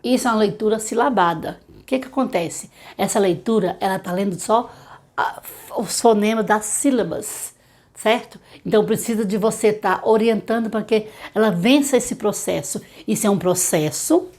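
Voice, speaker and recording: A middle-aged Brazilian woman, a literacy teacher, giving reading tips straight to parents and slowly sounding out sample words. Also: medium pitch. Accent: Brazilian Portuguese. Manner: warm direct advice to mothers, slow syllable-by-syllable demonstrations. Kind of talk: tutorial talking to parents.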